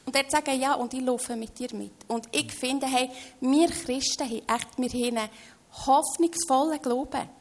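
A woman's voice: high-pitched, normal speed. A woman with a Swiss German accent, talking earnestly as a guest in a faith-based conversation, often opening her thoughts with "hey".

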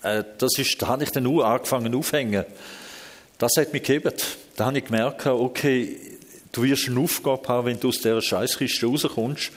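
A man's voice: mid-range voice, moderate pace, in a large hall. A man with a Swiss German accent, telling his life story in an interview in a blunt, candid, emotional way.

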